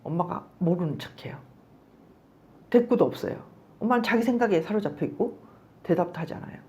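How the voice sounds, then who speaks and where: Lively middle-aged woman lecturing on psychology. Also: lowish voice, a little fast. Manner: expressive, acts out little dialogues in different voices; explains patiently with many rhetorical questions. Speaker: psychology counseling professor. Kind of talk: lecture to camera.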